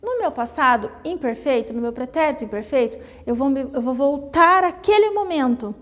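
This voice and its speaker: A Brazilian Portuguese teacher with a high, somewhat bright voice and lively intonation gives a grammar lesson in a big-sounding room. She explains slowly and step by step, repeating herself and checking in with students using "né?" and "tá?".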